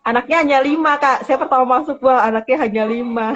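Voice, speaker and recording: Higher-voiced woman on dull lo-fi call. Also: fairly bright tone. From Papua, Indonesia. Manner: halting, mixes in English words. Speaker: interview guest. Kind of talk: casual online interview.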